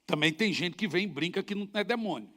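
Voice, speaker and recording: High, bright-voiced Brazilian pastor preaching. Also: male voice, quick pace. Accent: Brazilian Portuguese. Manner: animated storytelling with sound effects. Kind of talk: sermon.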